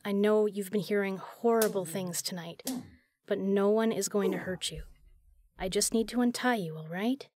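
A woman's voice: medium pitch, moderate pace, crowd noise, lightly acted. A woman playing a tough, capable spy in an audio drama, flirty yet caring. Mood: gentle, soothing. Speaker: voice actor in a fan audio drama. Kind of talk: audio drama acting, intimate.

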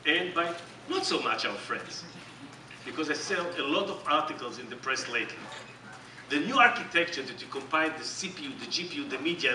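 A man's voice: on the high side, far from the mic, slight background noise. Israeli-accented man presenting in an echoey hall. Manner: animated, joking, emphatic and repetitive. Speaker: company executive presenting on stage. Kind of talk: keynote presentation. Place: large dark conference hall with audience. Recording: echoey hall recorded from the audience.

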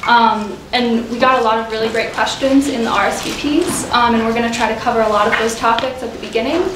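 A woman's voice: fairly high pitch, fast. A young woman moderating a panel discussion, friendly and full of "um"s. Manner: friendly, with frequent "um"s. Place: lecture room with whiteboards. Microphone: room mic from a distance. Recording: echoey room, distant mic, noisy.

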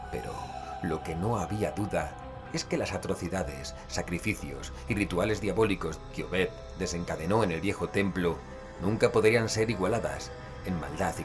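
A man playing a skeptical investigator who narrates and speaks in a horror audio drama. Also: low-pitched.

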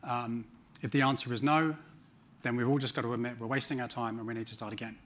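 A man's voice: mid-range voice, little pitch movement, quick pace, a bit bright. Middle-aged man giving a dry conference talk. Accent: New Zealand. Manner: dry humor, frequent ums. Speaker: conference speaker. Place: large conference stage.

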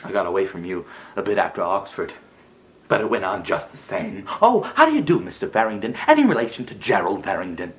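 A man performing a dramatic stage monologue as a bitter, jealous elder brother, sarcastic and emotional, moving between hushed delivery and outbursts. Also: lowish voice, huge pitch swings, a little fast. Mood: sullen, then mocking.

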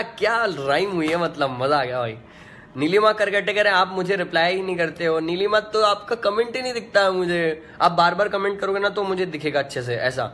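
A young man, a singer, chatting casually in a fan live chat, reading out comments in a relaxed way with many fillers. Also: fairly high pitch, a little hiss or hum. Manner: laid-back and chatty, full of "yaar" and "matlab" fillers.

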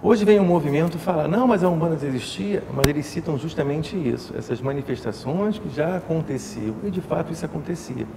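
A man's voice: a little high, fairly quick, creaky, few pauses. A man, an umbanda house leader explaining his faith in an interview, thoughtful and full of fillers and tag questions. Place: indoor temple room with altar. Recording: echoey room with faint hiss.

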